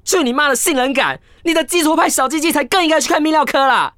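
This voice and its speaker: A man's voice: very high-pitched, fast, no echo, studio quality. A man with a Taiwanese Mandarin accent acting a jilted, sarcastic, hot-tempered gay lover in a modern radio drama. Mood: outraged, bitter. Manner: expressive, swearing, muttering to himself.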